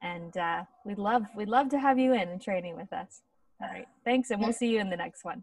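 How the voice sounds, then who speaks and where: A woman speaks at a fairly quick pace in a fairly high, somewhat breathy voice. Her pitch varies in an ordinary way while her loudness swings widely. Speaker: podcast host and marketing director. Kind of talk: casual interview.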